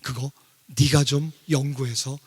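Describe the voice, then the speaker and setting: A male preacher voicing God as a calm, fatherly male figure in a testimony, speaking slowly and deliberately. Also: slightly rough. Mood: gentle. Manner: slow, lowered, deliberate delivery. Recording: long church hall reverb.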